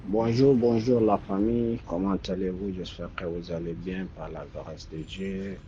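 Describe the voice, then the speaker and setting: A man whose first language is Arabic, politely greeting listeners and starting his story in halting French. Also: deep voice, steady tone, dark tone, dull audio, a little hiss or hum. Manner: halting, polite, searching for words. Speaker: listener sharing a personal story. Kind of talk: voice-message testimony.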